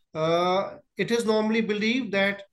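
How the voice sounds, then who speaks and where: A man with an Indian accent speaks at a fairly slow pace. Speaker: journalist and writer. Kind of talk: interview.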